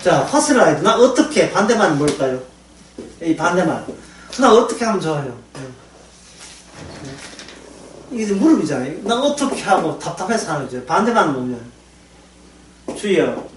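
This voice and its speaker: Lively male pastor, casual lecture-sermon delivery, recorded off-mic in a roomy space. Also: sits high, fast talker, a little hiss or hum. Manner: lively, conversational, laughing often, acting out prayers. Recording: echoey room, voice from far off the mic.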